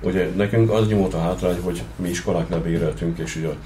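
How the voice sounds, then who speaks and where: A man's very deep, low voice with very wide pitch swings at a fairly quick pace, plus noticeable background noise and audible room echo. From Hungary, Kecskemét. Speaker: karate master and coach. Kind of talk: interview.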